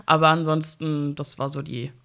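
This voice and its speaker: A woman hosting a casual podcast, her voice a little stuffy from a cold. She talks in loose, easy phrases and laughs often, in a fairly low register. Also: steady tone, moderate pace, creaky, pushed and bright. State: slightly congested from a cold. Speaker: podcast host.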